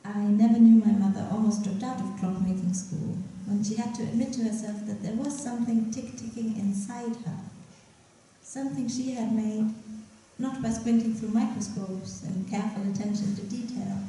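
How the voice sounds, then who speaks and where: A young woman poet giving a reading at a lectern on a dark stage, chatty and giggly between her poems and measured as she reads them. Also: a little high, steady tone, a little hiss or hum. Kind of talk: poetry reading. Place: dark stage at a festival event. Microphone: stand mic at a lectern. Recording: roomy hall, mic from a distance.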